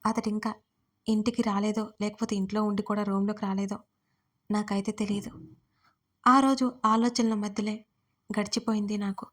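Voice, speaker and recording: A woman narrates an audio story in the first person. Her read is plain and steady, held in a narrow pitch range that stays almost flat. Her voice sits in a middle register for a woman. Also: moderate pace, long pauses.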